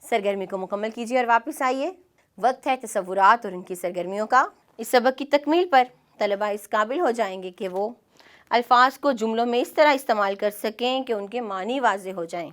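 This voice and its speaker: A woman's voice: on the high side, a bit bright. Pakistani woman teaching a scripted lesson. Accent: Pakistani Urdu. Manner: clear, measured instructional delivery.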